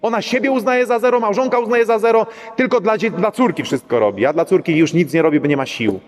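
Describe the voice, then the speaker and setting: Middle-aged male priest, high-pitched, preaches chattily to his flock with lots of rhetorical asides, reverberant church sound. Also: fast talker. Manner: talks directly to the congregation with frequent rhetorical "right?" asides. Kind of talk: conversational sermon.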